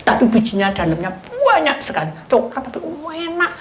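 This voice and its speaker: An eager young counselee squeals high and chatty, as a woman preacher puts the voice on. The voice leaps around excitedly. It rings through a roomy hall. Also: fairly quick, slight background noise.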